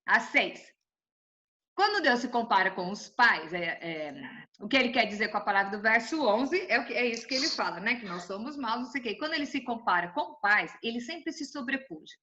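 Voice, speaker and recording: A woman with a Brazilian Portuguese accent teaching a Bible study in a colloquial, lively way, with playful asides. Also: on the high side, fairly quick, highs cut off.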